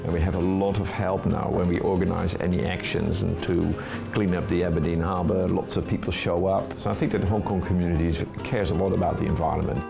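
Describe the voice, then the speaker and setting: Deep gravelly man. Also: little pitch movement. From Netherlands. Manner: halting, with many fillers and repeats. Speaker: harbourfront planning advocate. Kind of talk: documentary interview. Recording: music playing over the speech.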